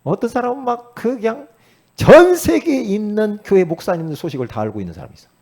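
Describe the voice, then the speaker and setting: A man preaching a sermon as pastor, talking in a conversational way with sudden loud emphatic rises. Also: high-pitched, animated, fast talker.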